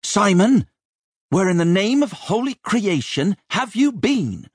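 A man's voice: high voice, big pitch swings, slow pace, husky, no room sound, studio quality, voice pushed up, exaggerated voice. A man voicing a cross, exasperated older head chambermaid who barks and scolds in a storybook reading. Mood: angry, barking. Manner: barking, exasperated, dramatic swoops. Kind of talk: audiobook character voice.

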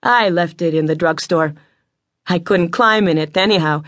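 A woman voicing a slight, helpful teenage boy who speaks calmly and matter-of-factly. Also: lowish voice, moderate pace, dry recording, studio quality, close to an everyday voice.

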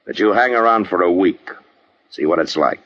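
An actor playing a steady frontier town marshal who speaks calmly and levelly, in a 1950s radio drama. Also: male voice, sits low, normal speed, slight background noise, natural voice. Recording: dull old radio broadcast with music behind.

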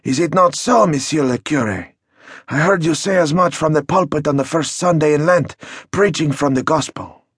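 A man's voice: a little high, normal speed, slightly rough, dry recording, studio quality, voice pushed up. A man playing a pious old village elder. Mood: solemn. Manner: solemn, moralizing.

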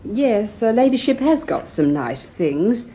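An actress playing a fussy, grumbling elderly British housemaid, weary and deferential, in a radio drama. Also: female voice, fairly high pitch, very animated, a little slow, warm tone. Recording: dull, noisy old radio recording.

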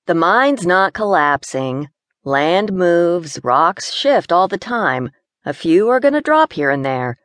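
A woman voicing an easygoing, teasing young man from the countryside who stays calm. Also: lowish voice, takes it slowly, no room sound, heavily acted.

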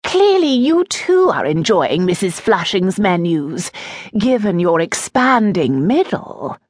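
A woman voicing a haughty aristocratic older mother with an arch, sarcastic, measured delivery. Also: lowish voice, big pitch swings, darkish tone, no room sound, studio quality, pitched above the performer's own voice, exaggerated voice. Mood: cutting.

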